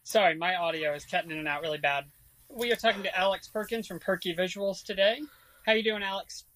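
A man's voice: high-pitched, quick pace, no room sound, poor audio. A man co-hosting a casual podcast over a video call, his audio cutting in and out so the volume keeps jumping. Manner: relaxed, informal, with fillers. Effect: audio cutting in and out, uneven volume. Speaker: podcast co-host.

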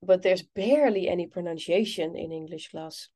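A woman's voice: lowish voice, moderate pace, mellow. A woman with a Dutch accent, an English teacher hosting a casual interview, talking with frequent ums and you-knows. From Netherlands. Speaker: podcast host and English teacher.

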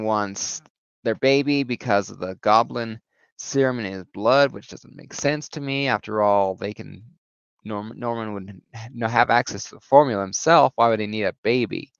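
A man's voice: mid-range voice, moderate pace, fairly bright tone, clean tone, no room sound, muffled recording. Man rambling through a comic recap. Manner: rambling, many fillers and restarts. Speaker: comic book reviewer.

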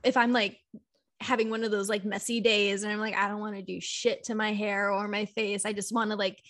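Woman guest, quiet voice, casual and thoughtful, laughs easily. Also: mid-range voice, level tone, brisk. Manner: soft-spoken, laughs often, thoughtful. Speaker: stand-up comedian guest. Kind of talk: casual interview chat.

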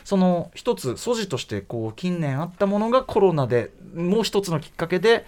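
A man's voice: high-pitched, very animated, normal speed, a little mellow. A man hosting a radio talk show in a casual, conversational way, often chiming in with short responses. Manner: frequent backchannel responses.

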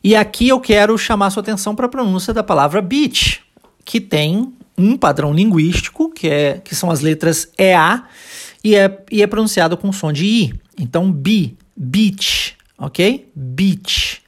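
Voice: medium pitch, lively intonation. Patient Brazilian English teacher. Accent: Brazilian Portuguese. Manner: patient, explains step by step and repeats phrases slowly. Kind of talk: podcast language lesson.

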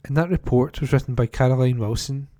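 A man with a mellow, dark-toned voice reads a news report aloud, even and plain. The recording is dry and close. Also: mid-range voice, a little fast, no echo. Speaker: newspaper article reader.

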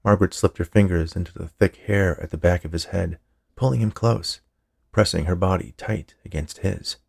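A man's voice: sits low, normal speed, gravelly. A man narrating a scripted fiction story as a podcast storyteller. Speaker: writer, narrator and podcast host.

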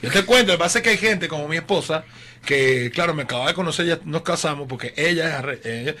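High, bright-voiced man. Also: quick pace. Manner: animated storyteller, acts out quoted voices. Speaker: guest. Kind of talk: casual chat.

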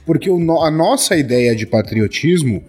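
A man joining a casual group discussion, halting and restarting as he builds his point. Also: fairly high pitch, animated, a little mellow, breathy edge, soft background music. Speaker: discussion participant.

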